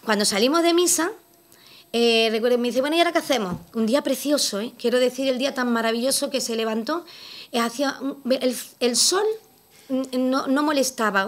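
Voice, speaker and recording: Middle-aged woman from Spain, slightly high pitch, emphatic testimony with lots of repetition. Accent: Spanish from Spain. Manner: repeats words for emphasis, vivid storytelling. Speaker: event speaker giving a testimony. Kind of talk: personal testimony to an audience.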